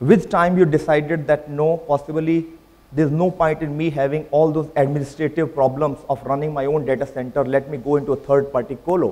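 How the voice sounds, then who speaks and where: A man's fairly high-pitched voice with a dark, mellow tone, fairly quick pace and fairly even intonation. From India. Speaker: tech company executive. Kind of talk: conference keynote. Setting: stage with audience. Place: hall. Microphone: lapel.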